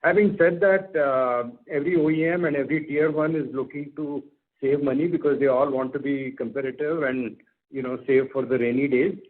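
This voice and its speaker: A man, a company executive explaining business outlook on an earnings call in a measured, pausing way. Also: mid-range voice, fairly even intonation. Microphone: telephone conference call. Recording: tinny narrowband conference phone line.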